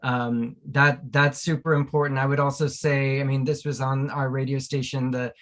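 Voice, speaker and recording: A man speaking as a panelist in an informal discussion, halting and tentative, often repeating words as he searches for the next one. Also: medium pitch, level tone, a bit bright. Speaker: panelist, academic.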